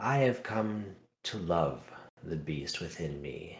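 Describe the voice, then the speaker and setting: Doing a put-on character voice, a man speaks at a fairly slow pace with a very deep, low pitch, and audible echo surrounds him. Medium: actual play. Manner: measured, gentle, philosophical.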